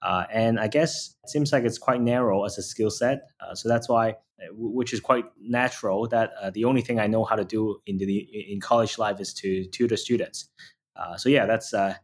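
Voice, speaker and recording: A man's voice: on the low side, normal speed. Hesitant male founder from Hong Kong. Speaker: startup founder guest. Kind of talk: interview answers.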